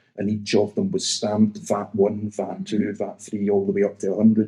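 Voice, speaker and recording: A man speaks in a Scottish accent with monotone, flat intonation. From Glasgow, Scotland. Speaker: whisky reviewer. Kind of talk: casual conversation explaining whisky.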